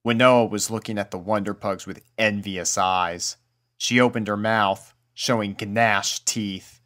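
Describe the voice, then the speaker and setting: A man's voice: on the low side, steady tone, measured pace, fairly bright tone. A man reading a scripted story aloud as the narrator of fan fiction.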